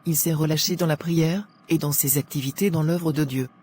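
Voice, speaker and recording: A man's voice: on the high side, fairly even intonation, normal speed, darkish tone, slight background noise, lightly acted. A man voicing a worried, indignant Christian mother and pastor's wife in a cartoon. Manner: fretful, indignant. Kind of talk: French-language Christian cartoon acting.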